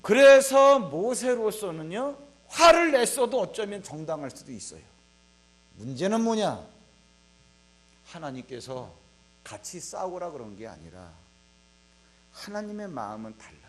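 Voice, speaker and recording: A male head pastor preaches a Sunday sermon in a conversational, animated way, acting out the scripture he reads. His voice is high and swings widely across his phrases. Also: unhurried, pauses often.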